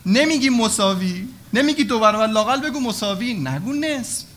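An indignant woman pleads with God and fires off demanding questions, as a male preacher puts her on. The voice sits high and rises sharply above his usual speech. It is a plain, light impression in a sermon rather than full character acting. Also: lively intonation, a bit bright.

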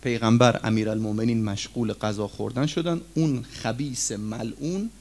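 A man preaching a sermon to his listeners, with sudden loud rises and low drops as he addresses them as friends. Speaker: cleric preacher.

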